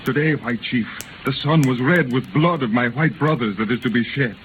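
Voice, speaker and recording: An actor playing a solemn, foreboding young Native American runner in stilted, oratorical 1930s radio style. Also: male voice, mid-range voice, normal speed, close to an everyday voice. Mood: solemn, warning. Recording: noisy, tinny 1930s radio recording.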